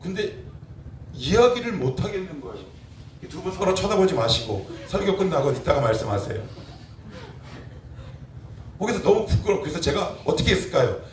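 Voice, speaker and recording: A man's voice: a little high, big pitch swings, a little fast, pauses often, slight background noise. A man in his forties, a pastor preaching a conversational sermon full of rhetorical questions to his congregation. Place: church sanctuary. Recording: echoey church from a distant mic.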